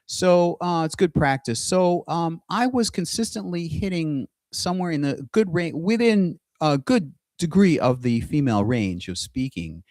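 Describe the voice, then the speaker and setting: Middle-aged man, unhurried and hesitant, casual solo video talk, close and dry sound. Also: fairly high pitch, lively intonation, a little mellow, no room sound. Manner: halting, with many restarts and pauses. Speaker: aspiring singer and video host. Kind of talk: casual monologue to camera. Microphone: computer mic with screen sharing.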